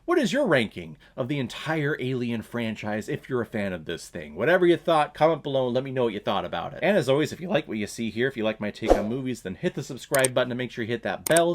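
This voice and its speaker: A man's voice: medium pitch, noisy background. A young man hosting his own movie review channel, talking casually in a blunt, sarcastic way and swearing now and then.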